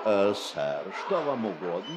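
An actor playing a genial, unhurried bank boss in a radio play, with drawn-out friendly greetings. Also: male voice, on the low side, big pitch swings, crowd noise. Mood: jovial.

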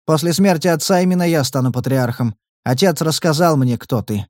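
A man voicing a cruel, proud male patriarch's son of about forty, threatening in a lowered voice. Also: fairly quick, a little mellow, no echo, studio quality, lightly acted. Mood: menacing. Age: 40s.

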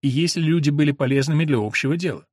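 A man's voice: on the high side, very fast, a little mellow, no room sound, clean studio sound, natural voice. A man voicing an earnest young male recruiter who talks persuasively.

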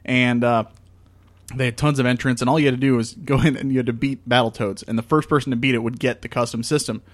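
Man, New Jersey accent, podcast host, casual teasing banter, mid pitch, dry close sound. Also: steady tone, fast talker, dry recording. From US East Coast. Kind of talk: casual chat.

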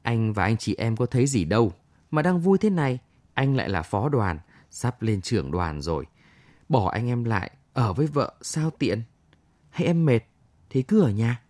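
A man's voice: mid-range voice, sing-song, moderate pace, a little mellow, no echo, lightly acted. A man reading aloud, voicing a young husband who teasingly brushes off his wife's worries. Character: cheerful, dismissive young husband, a troupe actor.

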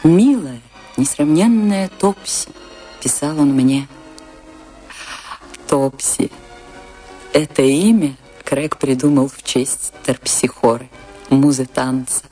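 An actress playing a passionate dancer in a radio play, with a theatrical, tender and measured delivery. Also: female voice, extremely low pitch, dark tone. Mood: wistful, tender. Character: Isadora, passionate woman dancer recalling her great love. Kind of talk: radio play narration and dialogue. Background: music behind the voice.

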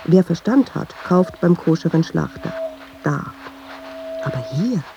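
A woman's voice: lowish voice, expressive, a little slow, vocal fry, music in the background. An actress playing a brooding, wry Jewish woman who muses in short, self-doubting sentences in a literary radio play. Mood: guarded, sceptical. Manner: reflective, short clipped sentences, musing. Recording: dull sound, faint noise.

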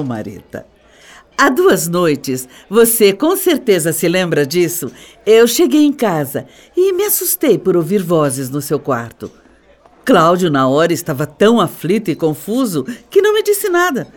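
Playing a composed, condescending middle-aged stepmother in a radio soap opera, an actress uses a Brazilian accent and a theatrical manner, with a grave, insinuating mood. Her voice is lowish with huge pitch swings at normal speed.

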